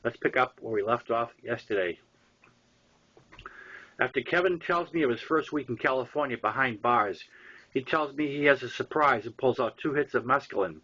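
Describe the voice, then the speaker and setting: A man with a Boston accent reading his own story aloud in an informal way, with halting, emphatic repeats and wry asides. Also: medium pitch, pushed and bright, husky. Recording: dull lo-fi audio.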